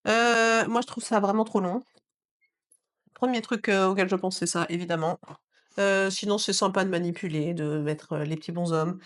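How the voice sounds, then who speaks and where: A woman's voice: medium pitch, steady tone, moderate pace. A woman whose first language is not French co-hosts a casual board game review chat, with a hesitant, playful manner full of fillers. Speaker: co-host.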